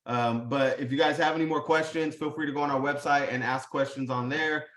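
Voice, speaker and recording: Brisk and steady, with a fairly bright mid-range voice, the host of a live video call pumps up his listeners in an echoey room. His talk is casual and profane, packed with slang and fillers.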